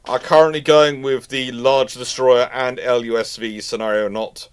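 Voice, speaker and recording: A man's voice: medium pitch, level tone, moderate pace, clear, resonant tone. A British man hosting a live question-and-answer stream, giving informal, discursive and opinionated expert commentary with repeated points. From United Kingdom.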